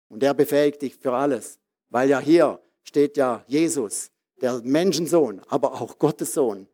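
A male evangelist with a Swiss German accent delivers a fervent sermon in a somewhat high voice. He reads scripture deliberately and presses hard on its key phrases. He breaks into hallelujahs and tells lively stories with laughter. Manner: emphatic preaching with calls of amen and hallelujah. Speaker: evangelist preacher.

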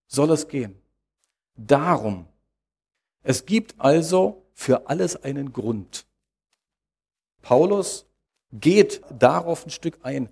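Gravelly, husky German pastor preaching. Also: male voice, fairly high pitch, a little mellow. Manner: measured preaching with rhetorical questions and repetition. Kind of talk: sermon.

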